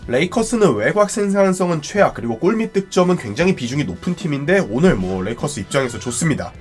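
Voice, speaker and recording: A man with a stuffy, cold-affected voice giving explanatory, analytical sports commentary over basketball highlights as the host. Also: big pitch swings, fast talker, faint music behind. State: has a cold, congested stuffy voice.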